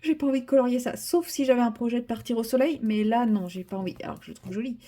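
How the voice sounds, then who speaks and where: A woman's voice: fairly high pitch, racing, warm tone. Brief: woman vlogger, casual rambling chat at home, lots of ums and restarts. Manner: chatty, rambling, many fillers and restarts.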